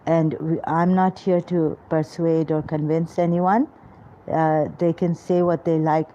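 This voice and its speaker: A woman with a low, mellow voice speaks slowly in a rambling personal monologue, stopping often to search for words. The recording is dull and lo-fi, with a faint hiss behind her. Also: level tone. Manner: halting, many pauses and fillers. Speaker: vlogger.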